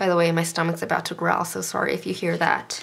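A woman speaks quietly. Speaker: planner and sticker video creator; sticker video creator. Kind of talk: product haul show-and-tell. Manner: hushed, keeping voice down; careful enunciation. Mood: cheerful, admiring.

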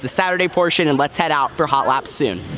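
Noticeable background noise is present throughout. Through it, a man talks. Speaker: kart racer vlogger. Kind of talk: casual vlog chat. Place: hall. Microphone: phone near.

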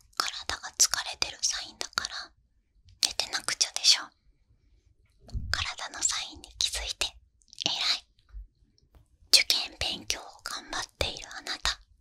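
A soft-spoken woman is whispering at a fairly slow pace in a soothing tone. Her loudness swings widely against a quiet background. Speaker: ASMR creator. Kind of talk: soft ASMR encouragement. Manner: soft close-mic whisper, soothing. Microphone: studio mic.

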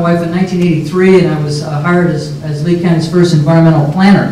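Speech comes at a fairly quick pace with audible room echo and light background noise. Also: man. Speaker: local elected official. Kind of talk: panel presentation. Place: hall.

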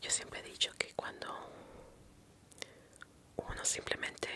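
Against loud background noise, a soft-spoken woman talks. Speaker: vlogger giving advice. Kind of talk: casual vlog chat. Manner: soft, slow murmur, downcast. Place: studio.

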